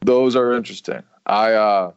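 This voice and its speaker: Low-voiced easygoing man on a podcast. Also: normal speed, vocal fry, clear, resonant tone, no room sound. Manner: easygoing, self-mocking, stumbles and restarts. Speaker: sports podcast co-host. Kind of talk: casual sports podcast chat. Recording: dry, slightly dull lo-fi audio.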